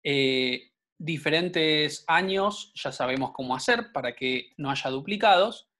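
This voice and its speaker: A man teaches a programming class online. He explains step by step and keeps checking whether the students follow. His voice sits a little higher than most men's. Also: animated, slow, sharp tone. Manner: patient, explanatory, frequent check-ins with students.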